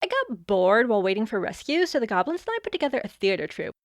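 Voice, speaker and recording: A woman's voice: fairly high pitch, sing-song, fast talker, dry recording, studio quality. A woman playing a breezy, theatrical schoolgirl in an audio drama comedy, chatty and slangy as she tells things dramatically. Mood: breezy storytelling. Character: breezy, theatrical teenage girl student, loves acting.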